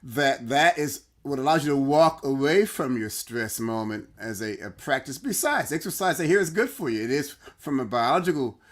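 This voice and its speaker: A man's voice: medium pitch, expressive, moderate pace, hardly any pauses, a bit bright. A man co-hosting a livestream talk show, talking casually, restarting and repeating words as he thinks aloud and tells anecdotes.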